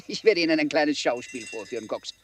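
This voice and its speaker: An actor playing a gloating villain in a German crime drama, theatrical and taunting with false affection. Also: male voice, fairly high pitch, moderate pace, a bit bright, slight background noise, lightly acted. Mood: mocking, amused. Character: gloating, mocking male villain with a gun.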